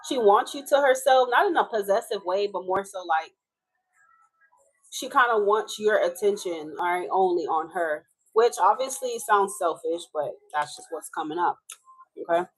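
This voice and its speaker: A woman's voice: mid-range voice, moderate pace, husky, low-quality recording. A woman from Haiti with a Haitian accent, reading tarot live in a casual, chatty way, swearing and laughing as she talks. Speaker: tarot reader.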